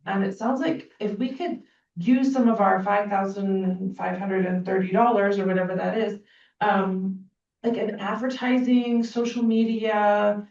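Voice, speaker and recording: A woman's voice: mid-range voice, fairly even intonation, measured pace, darkish tone. Brief: woman commissioner, rambling and thoughtful, far off in an echoey room, muffled sound. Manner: thinking aloud, many fillers. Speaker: commission member. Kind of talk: public meeting discussion. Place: meeting room. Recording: echoey room, distant mic, dull sound.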